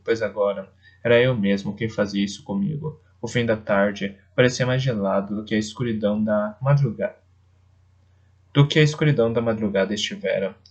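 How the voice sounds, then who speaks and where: A man reads a first-person audiobook in a steady, earnest way. His voice is low with a gravelly edge. The recording is dull and lo-fi. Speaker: audiobook narrator.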